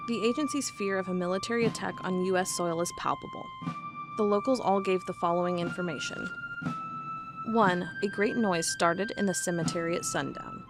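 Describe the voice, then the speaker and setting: A woman's voice: lowish voice, fairly quick, lightly acted. Woman acting a wry investigator, music behind. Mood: dry, official. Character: female investigator archivist, wry, curious, recording a spooky log. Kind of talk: audio drama log and case file reading.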